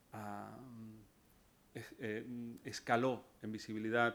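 A man's normal speaking voice at a medium pitch. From Argentina, Buenos Aires, raised in Spain (Barcelona). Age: 50s. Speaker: museum director. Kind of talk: lecture.

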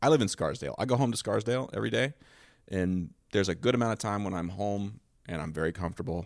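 A man with a Midwestern American accent talks at a fairly quick pace, his pitch swinging very widely, with vocal fry, on a very clean recording with a silent background. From Ohio, US Midwest. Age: 30s. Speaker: percussionist. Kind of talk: casual chat. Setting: studio.

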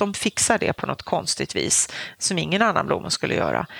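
At a moderate pace, a woman speaks in a medium pitch, the sound dry and close with no echo. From Sweden, Bergslagen (Lindesberg). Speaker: cultural historian and garden writer. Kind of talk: interview. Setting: greenhouse in her garden.

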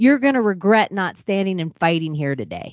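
An animated tone from a woman. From Florida, Palm Beach. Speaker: podcast guest, commentator. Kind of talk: casual chat.

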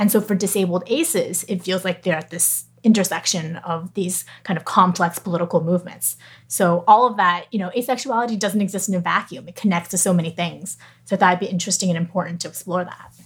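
With big swings in loudness, a woman talks very fast in a somewhat breathy, medium-pitched voice with fairly even intonation. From Northern California (Sunnyvale), moved from Wuhan, China at five. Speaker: author. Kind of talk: interview conversation.

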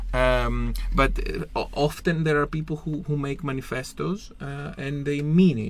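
A man speaks with a Greek accent at a moderate pace. Noticeable background noise sits behind him. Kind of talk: casual chat. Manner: loud, intense.

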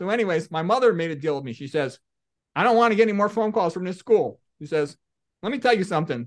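The speaker talks at a very fast pace with lively intonation. The American accent comes through against a quiet background. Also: man. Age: 50s. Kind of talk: lecture. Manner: casual, conversational.

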